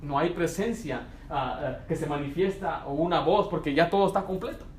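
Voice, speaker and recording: Young guy pastor preaching, fairly high voice, roomy church echo, bit of hum behind. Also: normal speed, darkish tone. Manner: conversational preaching with anecdotes and acted quotes. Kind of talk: sermon. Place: church sanctuary. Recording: echoey church room with faint ambience.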